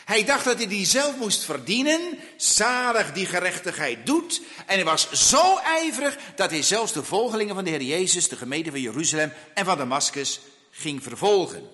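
A man preaching a sermon slowly and emphatically, asking rhetorical questions of his listeners. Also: high-pitched, sing-song, bright, forceful tone, big-room sound.

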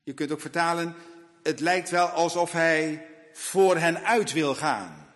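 A man preaching a sermon, emphatic and repetitive, with long dramatic pauses between words. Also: fairly high pitch, animated, a bit bright, long reverb tail.

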